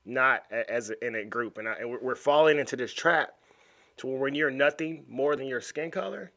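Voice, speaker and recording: A man's voice: mid-range voice, brisk, bright, forceful tone. A man hosting a reaction video, talking casually and animatedly, often repeating and restarting words. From United States. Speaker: YouTube reaction host. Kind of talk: casual commentary over a video.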